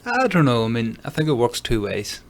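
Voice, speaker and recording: A man's voice: mid-range voice, big pitch swings, brisk, a little hiss or hum. A man with an Irish accent, talking easily as a radio guest and laughing often. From Ireland. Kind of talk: casual radio interview.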